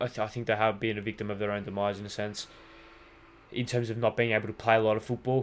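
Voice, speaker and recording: The man's voice is fairly low, with monotone, flat intonation. He talks at a very fast pace. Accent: Australian. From Australia. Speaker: football podcast host. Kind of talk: solo podcast commentary. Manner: halting, many fillers and repeats.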